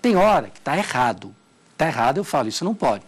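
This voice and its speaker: A man's voice: medium pitch, very animated, fast talker, slightly rough. A middle-aged Brazilian man teaching legal Portuguese in a televised lecture, emphatic and repeating his key warnings. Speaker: law language teacher.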